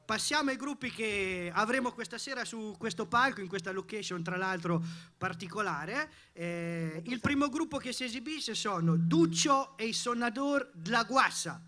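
A man's voice: high-pitched, animated, moderate pace, sharp tone. A man, presenting live from a festival stage. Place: outdoor festival stage at night. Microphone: microphone on a stand.

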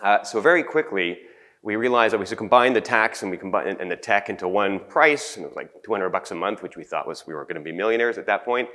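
A middle-aged man from Canada giving a casual conference talk into a handheld mic, chatty and self-deprecating, with a groggy morning voice and throat clearing. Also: on the low side, fast talker, pushed and bright. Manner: chatty, self-deprecating, many fillers and restarts. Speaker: conference speaker. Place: conference room.

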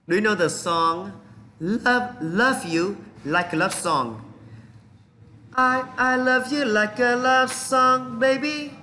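Slow, bright-voiced Vietnamese English teacher. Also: male voice, fairly high pitch, slight background noise. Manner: drills pronunciation, switches between English and Vietnamese. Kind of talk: bilingual vocabulary lesson.

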